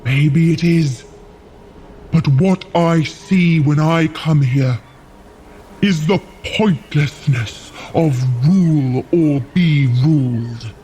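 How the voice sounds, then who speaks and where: A man playing a solemn, idealistic, weary frost giant in an audio drama, speaking in grave, measured storytelling. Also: a little high, dark tone, a little hiss or hum. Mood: somber, reflective. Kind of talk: scripted audio drama acting.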